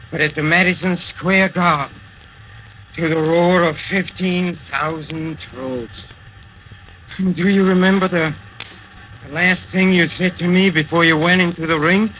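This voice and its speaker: A man's voice: high-pitched, fairly even intonation, a little slow, long pauses, lo-fi sound, slight background noise. An actor playing a desperate abandoned man who calls out and pleads in a 1940s radio drama, on an old recording. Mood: wistful. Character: despairing man abandoned, begging his friend to return.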